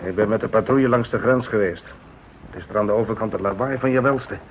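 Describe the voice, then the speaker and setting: A man playing a gruff, curt army sergeant on border patrol in a radio drama. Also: on the low side, fast talker, natural voice. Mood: brisk, impatient. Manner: curt, snappish, commanding. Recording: dull radio recording with background noise.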